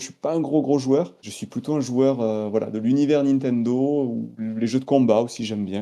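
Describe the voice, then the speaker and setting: With a southern French accent, the speaker has a dark, mellow tone, a moderate pace, ordinary pitch variation and hardly any pauses. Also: man, medium pitch for a man. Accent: southern French, sing-song. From southern France, Alpes-de-Haute-Provence. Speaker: podcast listener guest, gamer. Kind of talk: interview. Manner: hesitant, frequent fillers.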